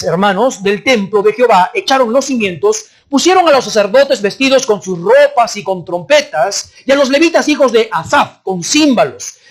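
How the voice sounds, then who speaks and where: Man preaching, very high voice, reads scripture, keeps asking the congregation questions, emphatic. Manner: prompts the congregation with repeated questions; emphatic, swings between raised and hushed delivery. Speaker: pastor. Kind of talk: sermon with scripture reading.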